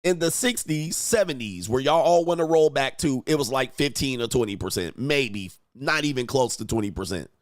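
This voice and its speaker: Talking at a moderate pace with hardly any pauses, a man with an animated, medium-pitched voice is heard in a dry, clean studio recording. As a dating coach commenting on clips, he's provocative, brash and mocking, swearing and punching words with sudden emphatic swells.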